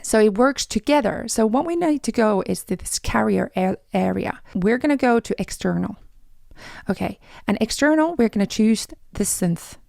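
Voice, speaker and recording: A woman presents an informal tutorial as its host. She explains each step in simple terms, like a teacher walking a beginner through software. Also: medium pitch, expressive, normal speed, creaky.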